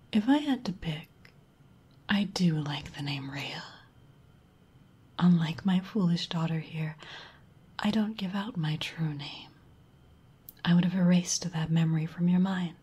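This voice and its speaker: Woman playing a very breathy, sultry succubus mother, whispered role-play. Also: on the low side, takes it slowly, long pauses, dark tone, heavily acted. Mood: imperious, seductive. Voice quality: very breathy, husky. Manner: sultry, purring, teasing succubus drawl. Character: powerful mature succubus mother, teasing, seductive, condescending demoness.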